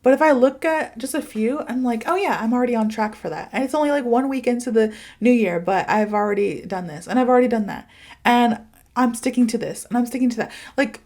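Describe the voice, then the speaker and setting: Brisk and somewhat high, with a darkish tone, this woman's voice carries her casual motivational podcast. She's an English teacher and native speaker, chatting informally like a teacher, with emphatic phrasing and giggly asides.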